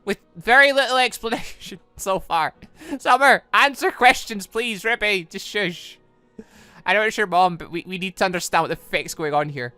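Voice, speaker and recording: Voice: mid-range voice, moderate pace, sharp tone, smooth, no echo, soft background music. A gaming channel host giving chatty let's play commentary on a visual novel, full of exclamations and reactions. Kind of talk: let's play commentary with voiced dialogue reading.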